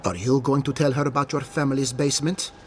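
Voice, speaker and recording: A man's voice: mid-range voice, steady tone, quick pace, slight background noise, close to an everyday voice. A man playing an officious, cautious governor in a fantasy video game, formal and condescending. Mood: stern, concerned. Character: officious, cautious male governor, haughty but protective. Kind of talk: video game character acting.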